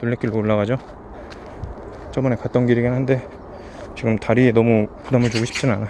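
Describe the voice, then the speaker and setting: A man's medium-pitched, flat monotone at a very fast pace, with long, frequent pauses and noticeable background noise. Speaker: vlogger. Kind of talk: casual vlog monologue while hiking. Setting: outdoors, hiking trail. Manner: rambling, conversational.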